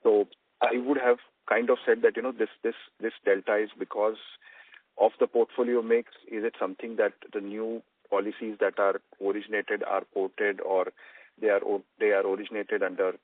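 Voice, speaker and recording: A man with an Indian accent asking a question as an analyst on an earnings call, halting and often repeating words. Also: lowish voice, little pitch movement, no room sound. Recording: dry narrow phone-line audio.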